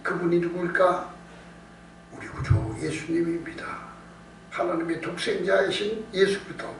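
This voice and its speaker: 남자 목사가 같은 말을 거듭하고 스스로 묻고 답하며, 힘주어 강조하는 대화체로 설교한다. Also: male voice, high-pitched. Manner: emphatic, repeats phrases, rhetorical questions. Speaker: pastor preaching. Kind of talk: Korean evening-service sermon, conversational. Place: indoor church service. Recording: echoey church room, distant mic, noise, hum.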